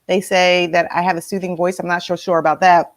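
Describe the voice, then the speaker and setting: A woman's voice: on the low side, flat delivery, fairly quick. A woman host with a slightly nasal voice, leading a casual motivational talk and asking her listeners many questions.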